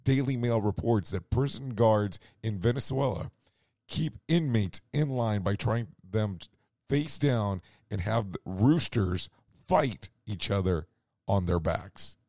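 With a low, dry, close voice that is starting to go hoarse, a male radio host gives casual commentary on the news. He's animated yet unhurried, darkish in tone with no echo, rambling, correcting himself frequently and adding sarcastic asides.

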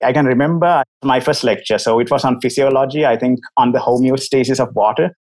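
A Sri Lankan man in his thirties, a doctor and company CEO, appears as a guest in a casual interview over a video call. His voice is mid-range and somewhat dark, and he speaks briskly, telling his story frankly and articulately in a Sri Lankan accent.

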